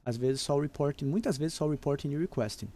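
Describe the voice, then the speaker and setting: Brazilian pilot teaching, mellow voice. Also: male voice, a little high, fast talker. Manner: explanatory, switches into crisp radio phraseology examples. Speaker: airline captain and aviation English instructor. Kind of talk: casual video lesson.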